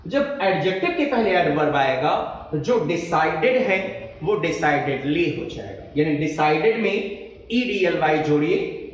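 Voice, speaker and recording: A man teaching an exam-prep grammar lesson, reading English example sentences slowly and explaining quickly in Hindi. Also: fairly high pitch, far from the mic. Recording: very echoey room, voice from off-mic.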